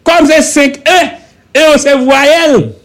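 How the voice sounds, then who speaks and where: A man with a Haitian accent holds forth on a radio talk show, his voice pitched strikingly high. He hammers each point with repetition and rhetorical questions, giving fervent political commentary. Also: fairly even intonation, takes it slowly, a bit bright. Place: radio studio.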